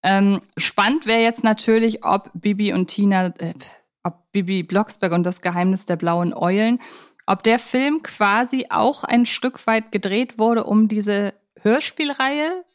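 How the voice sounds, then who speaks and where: A woman's voice: medium pitch, measured pace. Woman thinking aloud in podcast discussion. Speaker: podcast co-host. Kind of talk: conversational film discussion.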